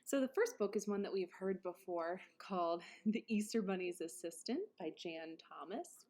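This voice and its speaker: A woman's voice: fairly low pitch, normal speed, darkish tone, a little hiss or hum. A woman reading picture books aloud as a teacher would to her class. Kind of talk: children's story read-aloud.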